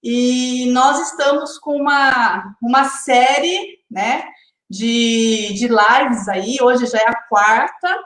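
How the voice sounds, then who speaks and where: A woman's voice: fairly high pitch, slow, a bit bright, echoey room. A woman hosting a live online interview series, chatty and often adding tag questions. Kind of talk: casual live-stream hosting.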